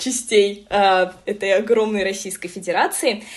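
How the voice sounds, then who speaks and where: A woman speaks at a medium pitch and moderate pace, with ordinary pitch variation. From Bashkortostan, Russia (Blagoveshchensk). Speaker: journalist and activist. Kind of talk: interview. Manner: hesitant, many filler sounds.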